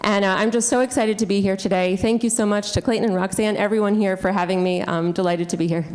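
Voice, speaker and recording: A woman's voice: medium pitch, fairly even intonation, fast talker, a little mellow. A woman who leads a nonprofit, introducing herself on a conference panel with eager enthusiasm.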